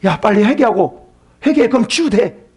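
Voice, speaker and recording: A man voicing a self-righteous male friend who scolds a sufferer with impatient, rapid-fire rhetorical questions, in a high, lively, gravelly voice. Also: exaggerated voice. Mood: urging.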